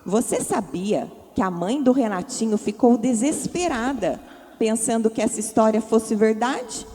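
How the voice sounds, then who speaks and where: A woman voices a young girl earnestly scolding a friend who lies. The delivery is slow and mellow. Long church reverb surrounds it. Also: on the high side.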